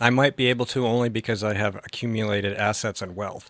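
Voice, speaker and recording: A man's plain, everyday voice at medium pitch and a fairly quick pace, on a very clean recording with a silent background. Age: 60s. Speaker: radio talk show host. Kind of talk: talk radio interview.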